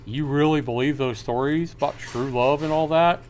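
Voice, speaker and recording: A man voicing a cocky, crude teenage high school boy from a visual novel, teasing his friend, with noise behind him. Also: fairly even intonation, moderate pace, a little mellow, close to an everyday voice. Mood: cocky, insistent. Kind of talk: acted visual novel dialogue.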